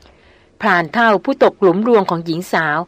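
A woman narrating a novel as an audiobook, reading in a steady, measured way. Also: medium pitch, dry recording.

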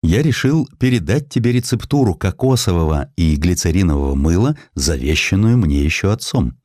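An earnest factory owner, voiced by a male narrator gives measured, businesslike instructions in a low voice. The sound is dry and close. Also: expressive, a little mellow, no room sound.

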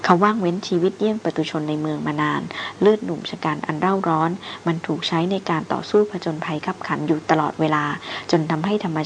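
A woman narrator reading a novel aloud in a steady, even storytelling manner. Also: low voice, gravelly, a little hiss or hum, poor audio. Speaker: audiobook narrator.

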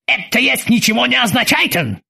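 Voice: mid-range voice, big pitch swings, a little fast, gravelly, bright, forceful tone, slightly rough, voice pushed up, full character voice. A reader putting on a barking mock-German captain. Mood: bossy interrogating. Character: blustering ship captain faking a German accent. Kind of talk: audiobook character voice.

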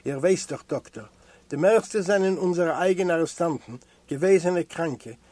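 A man's voice: a little high, moderate pace, darkish tone, no room sound, lightly acted. A man reading aloud and voicing a matter-of-fact male night warden in a prison hospital.

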